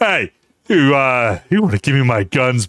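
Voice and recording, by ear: A put-on character voice delivers the lines at a moderate pace. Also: man, medium pitch for a man.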